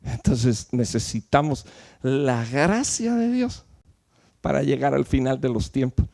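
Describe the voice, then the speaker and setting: A man preaching a sermon to his church, emphatic, with rhetorical questions and sudden loud peaks followed by low, quiet drops. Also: animated, measured pace, vocal fry. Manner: fillers and restarts while explaining. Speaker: pastor.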